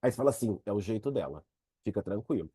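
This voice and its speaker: A man teaching psychoanalysis in a lively online lecture, speaking straight to his students. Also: fairly low pitch, quick pace, breathy edge, no room sound. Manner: animated, talks to students directly.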